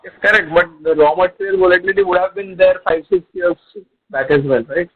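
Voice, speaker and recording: A man's voice: high-pitched, fairly quick, husky. A man with an Indian accent questioning company management on an earnings call as an investor, persistent and probing. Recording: tinny narrow phone line.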